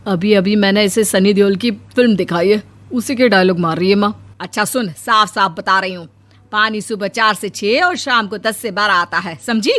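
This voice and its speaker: A woman's voice: medium pitch, normal speed, fairly bright tone, lightly acted. A woman voicing a proud, touchy middle-aged mother-in-law in a cartoon, speaking in a scolding, haughty way. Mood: dismissive. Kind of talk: cartoon voice acting.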